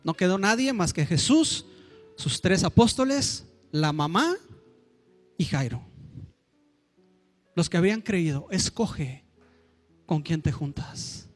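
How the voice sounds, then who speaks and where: A high-voiced man with a Mexican Spanish accent preaches a sermon in church. He speaks with strong emphasis and slips into the voices of the people he quotes. Faint music plays quietly underneath. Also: animated, slow, long pauses.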